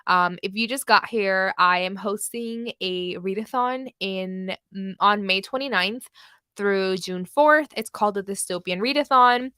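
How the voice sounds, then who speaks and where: A woman's voice: medium pitch, a little slow, pushed and bright, clear, resonant tone, dry recording, clean studio sound. A young woman hosting a book livestream, chatting casually with lots of fillers and small laughs. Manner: chatty, lots of likes and ums, laughs often.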